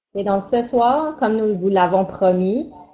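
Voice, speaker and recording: A woman talks at a fairly slow pace in an Acadian accent. Her medium pitch shows ordinary variation. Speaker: yoga instructor trainer. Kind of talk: webinar presentation. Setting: online webinar.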